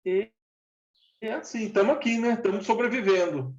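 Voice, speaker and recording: A man's voice: sits high, normal speed. A man of forty, a former factory worker giving an earnest, plain-spoken account in an interview. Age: 40s. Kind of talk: casual interview talk. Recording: echoey room, dull lo-fi sound.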